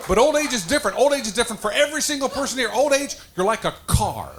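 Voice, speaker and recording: A man's voice: extremely high pitch, big pitch swings, quick pace, fairly bright tone, a little hiss or hum. A man doing a stand-up set, stammering and repeating words while laughing at his own jokes. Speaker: stand-up comedian.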